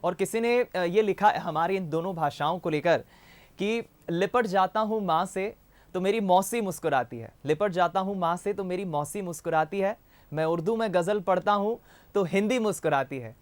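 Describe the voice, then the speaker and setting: A man hosting a news show, leading a formal studio discussion with measured speech and some restarts. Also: high voice, no echo.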